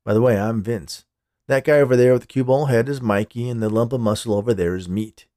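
A man's voice: medium pitch, fairly quick, mellow, natural voice. A man voicing a cocky, friendly security guard in an audio story, with breezy banter. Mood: friendly teasing.

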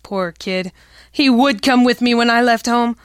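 Actress as a high-voiced, wistful dance-hall girl. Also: measured pace, studio quality, close to an everyday voice. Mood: innocent, persuasive. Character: sweet, wistful young dance-hall girl, scheming and melodramatic. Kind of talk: old-time pulp radio drama acting.

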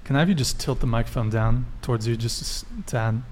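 A man's voice: medium pitch, steady tone, fast, a little mellow, a little hiss or hum. A man hosting a casual dating podcast, asking direct, teasing questions of his guests. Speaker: podcast host. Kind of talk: casual panel chat.

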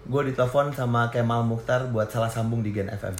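A man's voice: mid-range voice, fairly even intonation, a little fast, roomy sound, slight background noise. A man in his thirties telling stories about his restaurant business in a casual, slangy interview, laughing often and dropping English phrases. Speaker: restaurant founder guest.

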